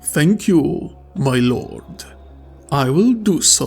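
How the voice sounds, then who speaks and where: A man in a put-on character voice, fairly high-pitched, at a very slow pace, with faint music in the background. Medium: read story. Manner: polite, guarded.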